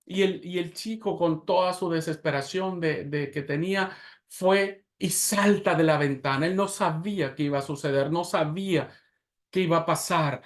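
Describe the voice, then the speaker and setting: Dramatic storytelling preaching teacher. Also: male voice, on the high side. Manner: dramatic storytelling with pauses and swings in loudness; addresses the class with questions. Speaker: preaching instructor. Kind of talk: class on expository preaching.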